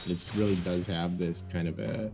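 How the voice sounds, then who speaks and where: A man co-commentating a game in a deep, drowsy, joking way. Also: steady tone, normal speed, vocal fry, background noise.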